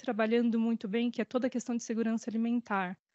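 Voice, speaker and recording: A woman's high-pitched voice comes across dry with no echo against a quiet background. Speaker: researcher. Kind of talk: conference panel presentation. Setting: stage with audience. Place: stage. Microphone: handheld.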